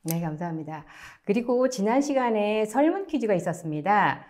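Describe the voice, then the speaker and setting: A woman's voice: mid-range voice, big pitch swings, moderate pace, a little mellow. A woman hosting a webinar, reading scripted announcements in a polite, formal presenter manner. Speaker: webinar host.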